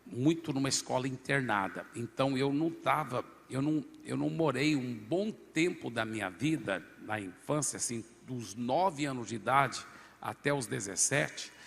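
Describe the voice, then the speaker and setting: Bright gravelly pastor telling his testimony. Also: mid-range voice, big-room sound. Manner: animated storyteller with sudden loud and soft swings. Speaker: guest pastor. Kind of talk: personal testimony storytelling.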